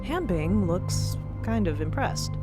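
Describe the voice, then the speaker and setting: A woman's voice: medium pitch, big pitch swings, takes it slowly. A woman narrating a scripted audio drama as a storyteller. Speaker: podcast narrator. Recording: voice over prominent music.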